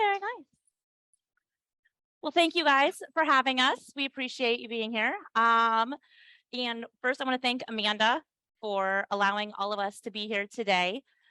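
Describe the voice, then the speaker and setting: A woman with a fairly high pitch and a bright, sharp tone speaks at a moderate pace with lively intonation and long, frequent pauses, in a dry, close sound with no echo against a quiet background. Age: 40s. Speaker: insurance agent and conference speaker. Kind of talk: conference presentation. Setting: stage with audience.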